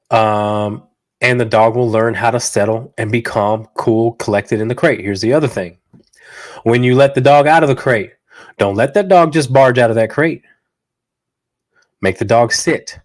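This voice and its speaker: A man hosting a live dog training Q&A, talking bluntly and directly in slangy speech, stuffy from a cold. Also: mid-range voice. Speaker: dog trainer and show host. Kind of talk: live Q&A stream.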